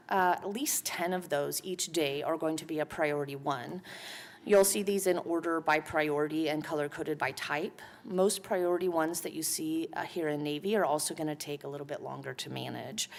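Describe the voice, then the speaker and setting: Hoarse low-voiced woman briefing council. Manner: halting, with frequent restarts and self-corrections. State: hoarse from a cold. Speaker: city department head presenting to council. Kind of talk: formal briefing. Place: city council chamber.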